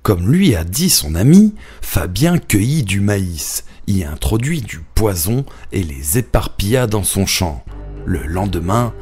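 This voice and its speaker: A man's voice: low voice, a little mellow. A man narrating a children's cartoon fable as a scripted storyteller. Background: background music.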